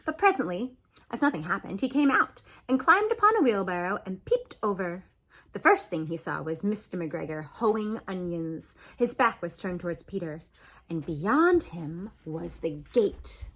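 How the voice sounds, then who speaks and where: A woman reading a children's story aloud as an animated narration, expressive, with dramatic swoops and pauses. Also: lowish voice. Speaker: storybook reader.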